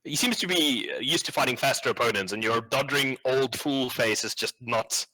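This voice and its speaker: A man's voice: mid-range voice, brisk, bright, forceful tone, rough recording. A man acting as game master, improvising tabletop game narration in a casual, sweary, slangy way.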